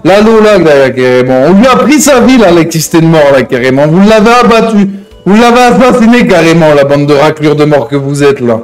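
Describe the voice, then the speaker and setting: A man's voice: a little high, big pitch swings, a little fast, few pauses, faint music behind, low-quality recording. A man playing an aggrieved, crude, threatening hostage-taker out for revenge in an improvised online game roleplay, swearing and repeating his verbal tics. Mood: vengeful. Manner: verbal tic-laden, crude, ranting, swearing.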